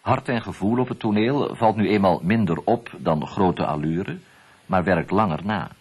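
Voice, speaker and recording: A male journalist narrates a radio documentary from a script. His voice sits on the low side with a husky, breathy edge, and he keeps a measured, even delivery.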